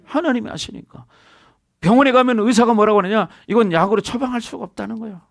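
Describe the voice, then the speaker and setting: In a church sanctuary, a middle-aged senior pastor preaches a sermon, calling out to the congregation and drawing responses. His voice is high, rapid-fire, and creaky, captured in clean studio sound without echo.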